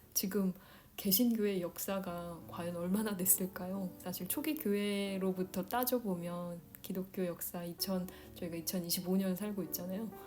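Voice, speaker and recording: A woman's somewhat breathy voice, dark and mellow in tone, at a medium pitch with ordinary pitch variation. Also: moderate pace. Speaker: pastor. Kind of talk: Bible reading with reflection and closing prayer. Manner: warm conversational.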